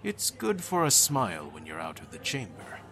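A man's voice: sits low, wildly swooping pitch, normal speed, faint music behind, full character voice. A man voicing a friendly, easygoing senior researcher in a spoken story. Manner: easygoing, warm and playful.

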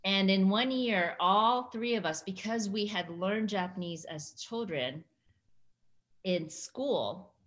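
A woman's voice: mid-range voice, takes it slowly, fairly bright tone. A woman in her sixties, a guest in a casual interview, telling stories and laughing often. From United States. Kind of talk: casual conversational storytelling.

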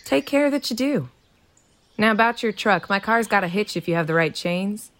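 An actress playing a folksy, teasing small-town matriarch in an audio drama, blunt and familiar with pet names. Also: female voice, mid-range voice, expressive, moderate pace, fairly bright tone, a little hiss or hum, lightly acted. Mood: blunt, bossy.

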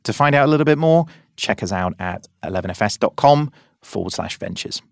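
A man's voice: lowish voice, expressive, brisk, vocal fry, background noise. A man reading a scripted promotional spot for a company in an upbeat, punchy way. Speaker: ad announcer.

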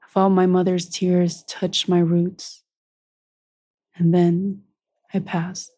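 A woman voicing an earnest young maize plant reborn as a human, narrating a first-person story in a deliberate, emotive way. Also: fairly low pitch, level tone, mellow. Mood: sorrowful. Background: music.

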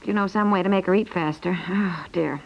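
A woman playing a brisk, fussing American wife and mother in 1950s radio comedy, chatty and insistent. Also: fairly low pitch, creaky. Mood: flustered, eager. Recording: dull 1950s radio recording.

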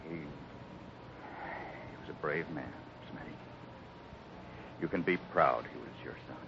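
A grave, kindly cowboy boss with a low voice, speaking in slow, solemn phrases. It is 1950s Western radio acting, muffled and buried in hiss. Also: male voice, gravelly, a bit bright, exaggerated voice. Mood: somber. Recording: muffled, noisy old radio recording.

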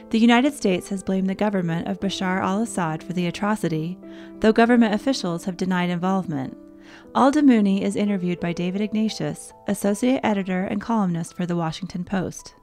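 A woman reading scripted narration in an even, informative manner. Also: mid-range voice, fairly quick. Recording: faint music underneath.

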